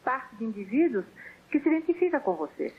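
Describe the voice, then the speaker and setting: Woman, Portuguese accent, frank reflective phone guest, husky voice, phone-line sound. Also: sits high, very animated, fairly quick. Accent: Portuguese (European). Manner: reflective, frank, self-mocking. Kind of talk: candid call-in conversation. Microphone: telephone.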